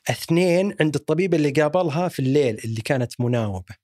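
A man's voice: on the high side, expressive, rapid-fire, a little mellow, no room sound, clean studio sound. A man with a Saudi accent, narrating a crime story in a chatty, rambling way. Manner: chatty and rambling, with frequent restarts and fillers. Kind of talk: casual storytelling.

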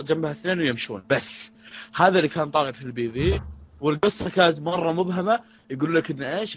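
Man, rapid delivery, slightly high voice, rambling casual podcast chat. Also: a bit bright. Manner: rambling, with frequent restarts. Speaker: podcast co-host.

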